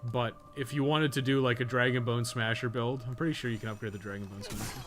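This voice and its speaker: A man's voice: medium pitch, steady tone, fast talker, fairly bright tone, soft background music. A man giving casual live gameplay commentary, rambling and thinking aloud with casual swearing. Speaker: game streamer and podcast co-host.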